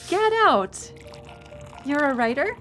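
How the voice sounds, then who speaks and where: A woman's voice: high-pitched, sing-song, slow pace, a bit bright, soft background music, exaggerated voice. A woman playing a friendly, chatty young docent at a historic house in an audio roleplay, casual and upbeat as she talks to the listener. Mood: curious, enthused. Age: young adult. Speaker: museum tour guide. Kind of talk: audio roleplay, one-sided conversation with listener.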